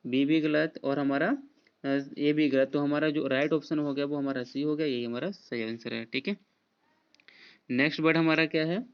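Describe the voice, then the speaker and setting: A man's voice: fairly high pitch, clean tone. A man, teaching an exam prep lesson in a casual way, spelling out words letter by letter with many fillers. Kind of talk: spelling quiz walkthrough. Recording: dull lo-fi voice recording.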